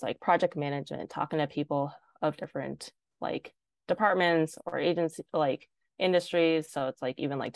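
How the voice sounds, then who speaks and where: A woman's voice: low voice, vocal fry, dry recording. A young woman, a designer and podcast guest, chatting casually and filling her talk with "like". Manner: chatty, heavy use of "like". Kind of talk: casual interview chat.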